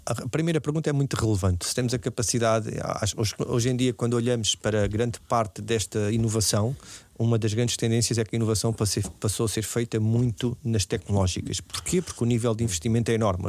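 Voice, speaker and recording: A man's voice: mid-range voice, steady tone, fast talker, a little mellow, no echo. A man with a European Portuguese accent giving explanatory, conversational answers as a podcast guest, restating points for emphasis. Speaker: podcast guest, technology executive.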